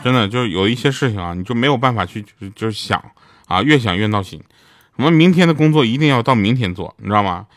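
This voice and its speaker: Brief: young male stand-up, quick deadpan delivery, dry close mic. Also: on the low side, no room sound, faint music behind. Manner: deadpan storytelling, acting out the voices in his anecdotes. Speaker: stand-up comedian. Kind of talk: comic monologue of short jokes.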